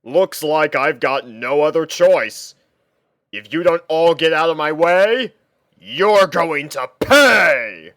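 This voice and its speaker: Narrator doing a cocky dragon hero guy from a story, slow proud delivery, super bold. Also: mid-range voice, animated, a bit bright, no room sound. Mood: bold, defiant. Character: bold heroic young male dragon, cocky dream-hero.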